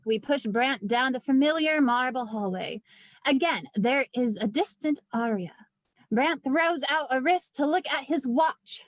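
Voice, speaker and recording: A woman reading screenplay stage directions as scripted narration, with vivid, deliberate storytelling. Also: high voice, no echo, poor audio.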